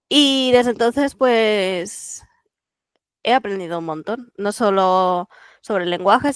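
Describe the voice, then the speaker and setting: Smooth-voiced Catalan speaker explaining calmly. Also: female voice, medium pitch, dry recording. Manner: thoughtful, explanatory, many fillers. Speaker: guest translator. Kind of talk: relaxed podcast interview.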